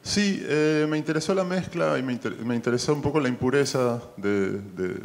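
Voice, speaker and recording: A man's voice: mid-range voice, normal speed. A man in his fifties with an Argentine accent, a film director speaking thoughtfully with many fillers into a handheld mic in a small festival room. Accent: Argentine Spanish. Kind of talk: festival press interview.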